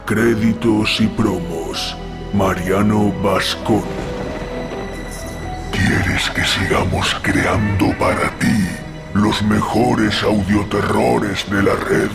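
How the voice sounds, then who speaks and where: A man announcing a horror audio show in a scripted, theatrical way, with ominous, deliberate, separated phrases. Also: lowish voice, fairly even intonation, vocal fry. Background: music behind the voice.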